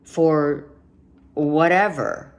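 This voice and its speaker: A woman giving a monthly tarot reading, emphatic and repeating herself, her voice going hoarse with some coughing. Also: low voice, fairly even intonation, extremely slow. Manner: emphatic, repeats herself, talks straight to the viewer. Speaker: tarot reader.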